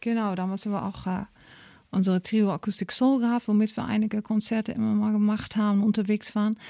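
With a Dutch accent, a woman speaks very fast at a medium pitch in a dark, mellow tone and monotone, flat intonation. The recording is very clean, with a silent background and a dry, close sound with no echo. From Netherlands. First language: Dutch (speaking German). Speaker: musician. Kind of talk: casual chat.

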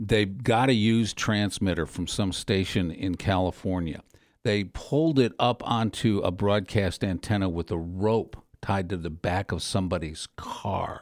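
In a very clean recording with a silent background, a man with an American accent and a plain, everyday voice speaks at fairly low pitch and a fairly slow pace, with ordinary pitch variation and hardly any pauses. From Ohio (Cincinnati). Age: 60s. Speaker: radio station general manager. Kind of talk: casual interview. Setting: radio studio.

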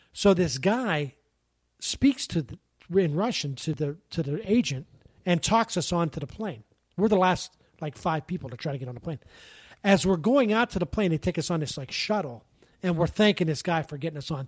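The recording is very clean, with a silent background. A man with an unremarkable speaking voice talks at a fairly quick pace, fairly high in pitch, with lively intonation. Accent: American. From Pittsburgh, Pennsylvania. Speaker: sports columnist. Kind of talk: casual chat.

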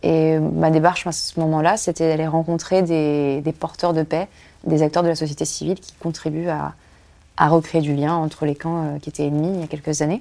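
A woman with a very deep, low pitch and a dark, mellow tone speaks at a moderate pace in a monotone, flat intonation. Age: young. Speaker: poet and novelist. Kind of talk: poetry reading; interview.

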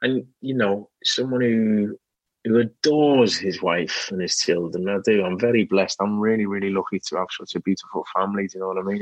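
A man speaks in a plain, everyday voice at a fairly quick pace with a fairly low pitch and ordinary pitch variation. The sound is dry and close, with no echo. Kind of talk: casual chat.

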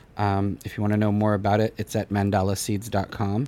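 On a very clean recording with a silent background, a man with a normal speaking voice and a fairly low pitch talks at a moderate pace. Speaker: cannabis podcast host. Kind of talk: casual chat.

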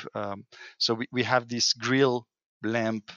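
A man speaks at a medium pitch in a French accent, his intonation fairly even. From southern France. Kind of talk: interview. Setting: video call.

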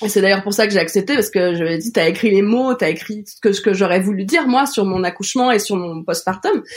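A woman with a medium pitch and ordinary pitch variation speaks at a very fast pace. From France, Anjou (Angers). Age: 30s. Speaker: illustrator and comic book author. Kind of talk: casual interview chat.

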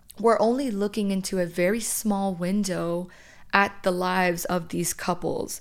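In a very clean recording with a silent background, a woman uses an ordinary speaking voice with fairly even intonation. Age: 20s. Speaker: podcast host. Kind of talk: solo advice monologue. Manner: casual, conversational.

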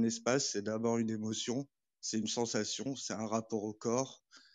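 In a flat monotone, a man of medium pitch speaks at a fairly slow pace. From Morocco. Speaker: digital artist and architect. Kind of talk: interview. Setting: live audio room.

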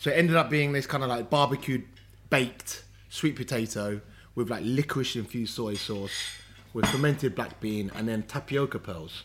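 A male voice in a London accent, medium in pitch, at a moderate pace with ordinary pitch variation. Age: 30s. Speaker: chef. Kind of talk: casual chat.

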